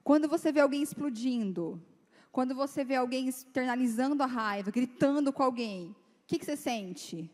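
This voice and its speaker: Young female youth speaker, lively and conversational, slightly high pitch, reverberant church hall. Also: moderate pace. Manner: lively, chatty, acts out dialogue in quoted voices. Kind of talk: informal talk to teenagers.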